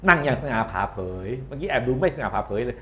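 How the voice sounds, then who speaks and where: A man's voice: medium pitch, expressive, very fast, fairly bright tone, slight background noise. A middle-aged man lecturing students in a classroom, coaxing and scolding them with rhetorical questions.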